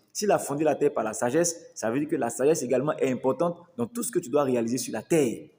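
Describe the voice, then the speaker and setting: In an Ivorian accent, this voice has a dark, mellow tone and ordinary pitch variation, delivered at a very fast pace. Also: man. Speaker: pastor. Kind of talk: sermon recap teaching.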